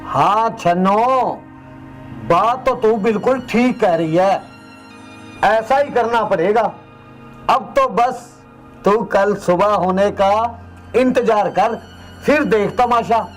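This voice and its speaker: Scheming son played by a man, slow, high for a man, light music behind. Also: low-quality recording. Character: scheming son, falsely sweet. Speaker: son in a family skit. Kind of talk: low-budget comedy skit acting.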